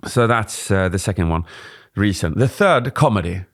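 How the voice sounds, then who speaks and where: In a dim studio with warm lamps, a presentation coach co-hosting a podcast offers a tip through a boom-mounted studio mic. His deep voice has a gravelly edge, and he explains steadily, drawing out some words, with lively intonation at a normal speed.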